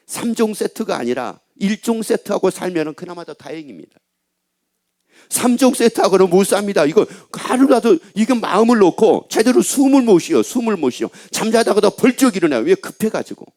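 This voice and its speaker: A middle-aged pastor with a high voice preaches a sermon at normal speed, telling a story sprinkled with lively asides and questions to the congregation.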